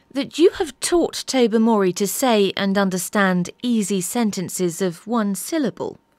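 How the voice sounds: Reading in a natural reading voice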